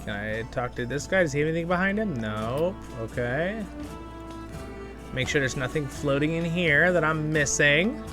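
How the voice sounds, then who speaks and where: A man's voice: on the high side, lively intonation, moderate pace. Chatty male gaming host over prominent music. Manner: enthusiastic, chatty, thinking aloud while playing. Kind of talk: casual gameplay commentary. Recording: music playing behind the voice.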